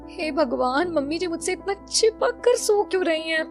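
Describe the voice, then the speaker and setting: A woman voicing a young daughter-in-law in an animated story, weary and complaining. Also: very high-pitched, moderate pace, soft background music, pitched above the performer's own voice. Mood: fretful. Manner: complaining, fretful.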